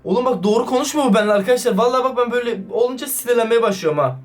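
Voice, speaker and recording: A man doing excited, casual vlog commentary, slangy and talking straight to his viewers. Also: extremely high pitch, racing. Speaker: YouTuber reacting to a chat. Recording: distant mic with background music.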